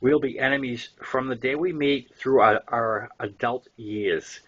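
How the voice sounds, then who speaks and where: An older man reads a first-person audiobook in a Boston accent. His voice is husky and sits at a middle pitch for a man. The recording is a little dull and lo-fi. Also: unhurried, fairly bright tone. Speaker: author reading his own novel.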